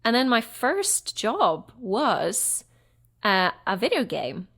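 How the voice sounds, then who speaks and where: A woman's voice: fairly high pitch, big pitch swings, slow, fairly bright tone. A woman in her thirties from Norway, an actress chatting as an interview guest, reflective and full of fillers and restarts. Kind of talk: casual interview chat.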